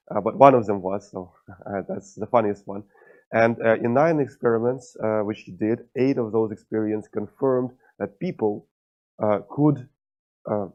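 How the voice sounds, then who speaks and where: A man's voice: mid-range voice, darkish tone. A man with a Russian accent giving a conference lecture, with many "uh" fillers and dry humor. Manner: frequent "uh" fillers, wry humor. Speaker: scientist giving a conference talk. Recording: lo-fi dull sound.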